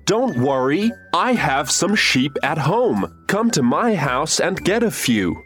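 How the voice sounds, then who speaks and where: A woman voicing a kind, generous farmer in a children's story, gentle and reassuring. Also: low voice, big pitch swings, slow, pitched below the performer's own voice, heavily acted. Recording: faint music behind.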